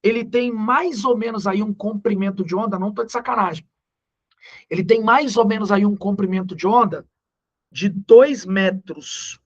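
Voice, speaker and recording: A man with a Brazilian accent teaching physics in a recorded lesson. He talks in a slangy, joking way and slows down to stress the key numbers. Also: sits high, muffled recording. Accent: Brazilian Portuguese.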